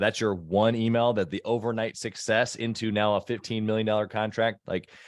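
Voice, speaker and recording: An animated man with an American accent and a fairly low pitch. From United States. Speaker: podcast host. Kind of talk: interview podcast.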